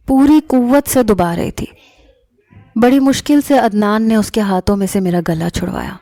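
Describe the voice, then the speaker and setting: A woman narrating a first-person story in a calm, measured storytelling manner. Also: medium pitch, no echo, clean studio sound. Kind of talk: scripted narration.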